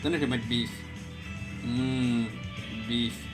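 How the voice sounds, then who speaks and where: A man's voice: medium pitch, steady tone, slow, poor audio. A young man chatting casually, joking and drifting off on silly tangents. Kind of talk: casual streaming chat. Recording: guitar music clearly behind the voice.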